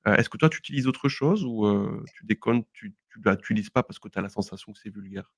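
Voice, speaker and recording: A man's voice: fairly low pitch, fast talker, husky, no room sound, studio quality. A young man from southwest France talks through everyday expressions in a casual podcast lesson. He explains patiently and breaks into laughter often. His tone stays friendly and conversational. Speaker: French teacher, podcast co-host.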